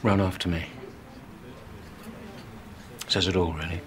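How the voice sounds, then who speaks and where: A man's voice: low-pitched, flat delivery, takes it slowly. A man playing a guarded, reproachful dinner companion in a TV drama. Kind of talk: naturalistic TV drama acting.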